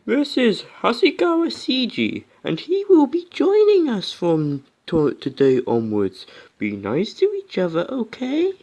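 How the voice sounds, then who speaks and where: A man voicing a strict, angry female schoolteacher with a shrill, stern delivery in a game. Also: huge pitch swings, measured pace, darkish tone, full character voice. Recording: music behind the voice.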